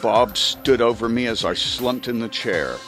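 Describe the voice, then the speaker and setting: A man's voice: medium pitch, measured pace, fairly bright tone, soft background music. A man reading a spy story audiobook in a theatrical, emphatic first-person narration. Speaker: audiobook reader.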